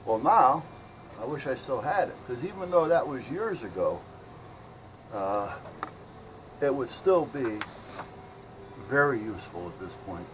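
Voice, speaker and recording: A man's voice: mid-range voice, animated, a little slow, long pauses, background noise. A middle-aged or older man rambling casually and thinking aloud as he films an unscripted repair video. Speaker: electronics repair hobbyist showing his work.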